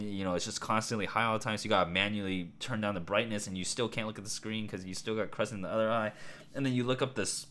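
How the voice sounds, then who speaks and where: A man hosting a solo podcast, talking in a casual, rambling way with a hoarse, raspy voice and lots of fillers. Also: fairly low pitch. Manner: rambling, excitable, many fillers and asides. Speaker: podcast host.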